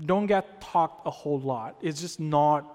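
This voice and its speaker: A man's voice: fairly high pitch, unhurried, darkish tone. A young man from Malaysia preaching in a church in a casual, conversational way, checking in with the congregation often. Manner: conversational, with many fillers and check-ins. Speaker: pastor. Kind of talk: sermon. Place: church sanctuary. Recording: long hall reverb.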